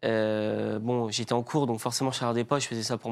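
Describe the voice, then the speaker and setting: The recording is very clean, with a silent background, as a man speaks in a medium pitch at a moderate pace. He has an ordinary speaking voice with fairly even intonation. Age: 20s. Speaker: pro gamer. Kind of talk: interview.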